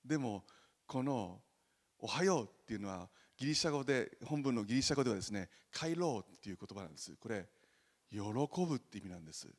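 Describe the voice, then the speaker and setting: Lively pastor preaching in a reverberant church. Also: male voice, medium pitch, fast. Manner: animated, acts out quoted voices loudly, jokes. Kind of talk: sermon. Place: church sanctuary.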